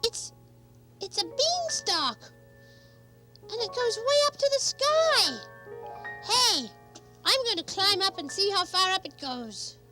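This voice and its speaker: A man voicing an excitable young boy who exclaims loudly, over children's music. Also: very high voice, takes it slowly, long pauses, full character voice. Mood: excited. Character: excitable young boy hero, quick to anger.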